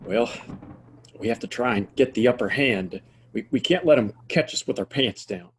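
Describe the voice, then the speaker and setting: A man playing a gruff, plain-spoken frontier man in a western audio play, with steady, folksy phrasing. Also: medium pitch, normal speed. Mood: urgent, scheming.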